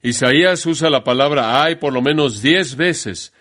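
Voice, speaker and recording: A man preaching a sermon in an emphatic way, slowing down to stress key phrases. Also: medium pitch, a bit bright.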